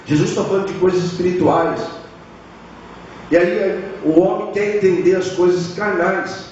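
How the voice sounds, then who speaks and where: A man's voice: high-pitched, steady tone, moderate pace, a little mellow, slight background noise. Brazilian man preaching in an echoey hall. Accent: Brazilian Portuguese. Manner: preaching with dramatized voices of biblical figures. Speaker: pastor. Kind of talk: sermon. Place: church hall. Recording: echoey church hall, far mic, dull.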